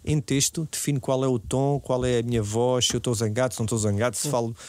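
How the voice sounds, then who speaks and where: Fast-talking Portuguese man explaining. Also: mid-range voice, steady tone, mellow, no echo. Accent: European Portuguese. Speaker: podcast guest, technology executive. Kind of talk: conversational interview answers.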